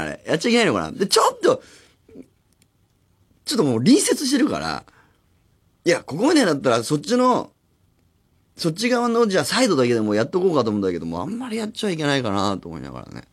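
A man in his forties, a radio host, talking in rambling casual chat with animated acted-out asides, in a studio. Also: medium pitch. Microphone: studio microphone.

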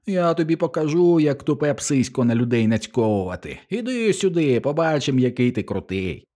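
A man voicing a wild teenage boy who shrieks taunts in a shrill, frenzied way, for an audiobook. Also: very animated, moderate pace, dark tone. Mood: taunting shrieks.

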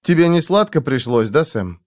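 A man's voice: a little high, animated, normal speed, pitched above the performer's own voice, lightly acted. A male reader voicing Jisbella, an anxious, ashamed young woman, in an audiobook. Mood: pleading.

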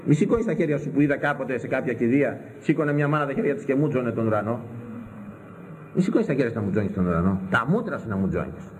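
A man's voice: medium pitch, expressive, darkish tone, slight background noise, rough recording. A man preaching a sermon on scripture, stern and impassioned, firing off rhetorical questions at his listeners.

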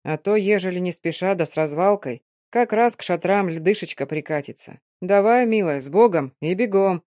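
A reader voicing an old gypsy man who shouts with fervour and speaks in a folksy way. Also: mid-range voice, animated, normal speed, dry recording, clean studio sound, close to an everyday voice. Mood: folksy, coaxing.

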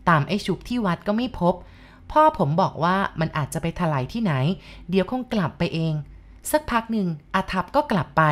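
A woman reading a ghost story aloud in a calm, even storytelling manner. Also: on the low side. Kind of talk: scripted narration of a ghost story.

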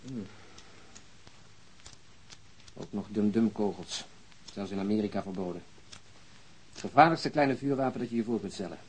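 A man acting in a crime audio drama as an earnest, principled police detective, blunt and probing, speaking deliberately. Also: on the low side, a little hiss or hum, close to an everyday voice, low-quality recording. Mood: grim, disgusted. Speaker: actor in a radio drama.

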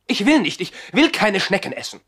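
High-pitched, defiant boy. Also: sing-song, fairly quick, fairly bright tone, breathy edge, exaggerated voice. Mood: angry defiance. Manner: insolent, emphatic, hot-headed. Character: defiant, stubborn young aristocratic boy. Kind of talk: 1960s German radio play acting.

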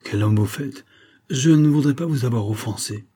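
A man's voice: mid-range voice, normal speed, warm tone, breathy edge, voice pushed up, lightly acted. A man voicing an easygoing male gypsy traveller who talks in a jovial, familiar way.

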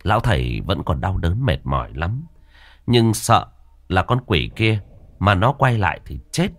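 A man tells a horror story in a deep voice, building suspense. His delivery swings widely in pitch. The sound is close and dry, with no room around it. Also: big pitch swings, a little slow, no echo. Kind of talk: dramatic horror story narration.

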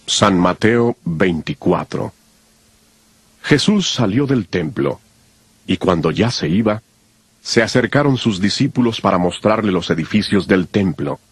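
A man with a very low voice narrates scripture. His tone is husky and rough-edged, delivered as scripted narration for an audio Bible. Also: expressive, a little slow, no room sound.

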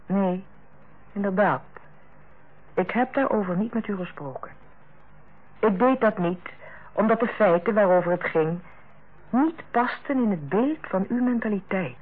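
An actress in a Dutch radio play as a female hospital director, authoritative yet kindly, speaking in a measured, formal and persuasive way. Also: mid-range voice, animated, husky. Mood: tactful, measured. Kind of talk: Dutch radio drama acting. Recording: muffled, band-limited old radio recording.

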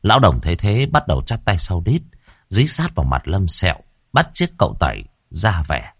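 A man narrating a ghost story in a vivid, lively way. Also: low-pitched, normal speed, breathy edge, no echo, studio quality. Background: faint background music.

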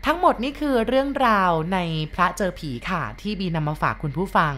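A woman's voice: mid-range voice, very animated, fairly quick, a little hiss or hum. A woman narrating a ghost story in a polite, conversational storytelling manner. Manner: polite and conversational, with soft sentence endings.

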